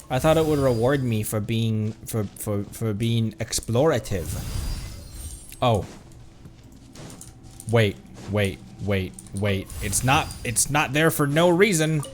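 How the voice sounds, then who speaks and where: A man's voice: medium pitch, slow, pauses often. A man doing casual gameplay commentary as a streamer, chatty and thinking aloud. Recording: game music behind voice. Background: video game music.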